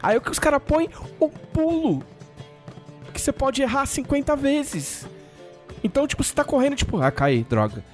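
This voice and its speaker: A man's voice: very high-pitched, expressive, normal speed, soft background music. A Brazilian man hosting a casual podcast chat, joking and swearing freely with lots of fillers. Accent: Brazilian Portuguese. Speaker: podcast host.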